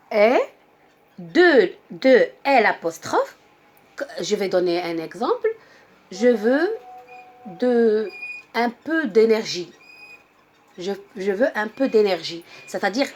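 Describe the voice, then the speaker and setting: Female teacher, high voice, patient step-by-step grammar explanations. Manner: patient, explains slowly with many examples and repetitions. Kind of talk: grammar lesson.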